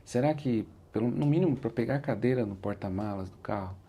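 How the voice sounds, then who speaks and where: A man's voice: mid-range voice, brisk, mellow, a little hiss or hum. A man with a Brazilian Portuguese accent, an interview guest and motivational speaker, telling his story in an earnest, reflective way. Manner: earnest, repeats "said like this" when quoting himself.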